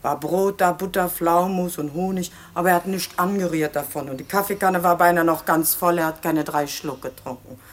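An actress playing a plain-spoken village maidservant in a radio crime drama, colloquial and matter-of-fact. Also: female voice, fairly low pitch, a little fast, hardly any pauses, natural voice. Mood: plain, slightly impatient. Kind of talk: German radio play acting.

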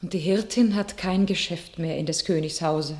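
An actress playing a devout young shepherd maiden turned warrior, speaking solemn, declamatory classical verse in a radio drama. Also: female voice, lowish voice, moderate pace, darkish tone, natural voice. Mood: proud, resolute.

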